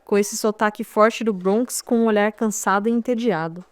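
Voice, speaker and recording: A woman's voice: mid-range voice, steady tone, moderate pace, clean tone, no echo. A woman with a Brazilian Portuguese accent reading a first-person memoir audiobook in a conversational storytelling manner, with wry asides to the listener. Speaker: audiobook narrator.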